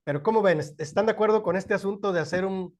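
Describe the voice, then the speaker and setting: A middle-aged pastor with a Mexican accent and a fairly high voice, teaching a church family class. He talks in a folksy, joking way and keeps turning to the room with questions. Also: fast talker. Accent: Mexican Spanish.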